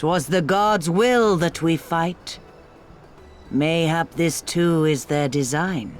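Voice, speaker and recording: An actor playing a solemn male tribal elder and mystic seer in a slow, oracular manner. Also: on the high side, faint music behind. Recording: game soundtrack under the voice.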